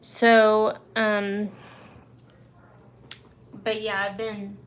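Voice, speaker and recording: A woman's voice: mid-range voice, monotone, very slow, a little hiss or hum. A woman from Oklahoma hosting a casual live Q&A, chatty and open as she answers viewers' questions. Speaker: livestream host. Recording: echoey room, faint ambience.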